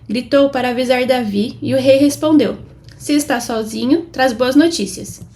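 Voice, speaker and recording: A woman with a Brazilian Portuguese accent reading Bible passages aloud, with a steady delivery that lifts for quoted speech. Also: high-pitched, normal speed. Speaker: Bible reader.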